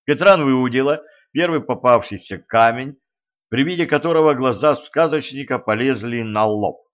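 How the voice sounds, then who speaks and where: A man narrating an audiobook in a steady, even storytelling manner, in a slightly muffled recording. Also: medium pitch, normal speed.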